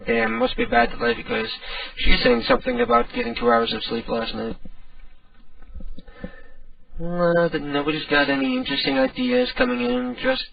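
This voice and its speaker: A man hosting a prank call show, rambling in a casual, sardonic way with a gravelly, creaky voice. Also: extremely high pitch, normal speed, dry recording. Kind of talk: casual live radio chat. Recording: dull band-limited radio, distant.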